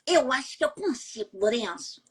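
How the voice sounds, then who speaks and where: A woman's voice: sits high, husky. A middle-aged Brazilian woman from Goiás with a neutral accent, chatting casually in an interview over a call and often tagging sentences with "né?". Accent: neutral Brazilian Portuguese, no regional accent. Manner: chatty, frequent "né?" tags, laughs easily. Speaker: voice actress and translator, podcast guest. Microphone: remote call.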